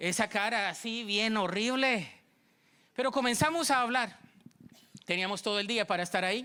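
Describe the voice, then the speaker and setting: In a very clean recording with a silent background, a man speaks fairly slowly in a raised, projected voice with a bright, sharp, animated tone and ordinary pitch variation. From Colombia. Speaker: pastor. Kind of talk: sermon.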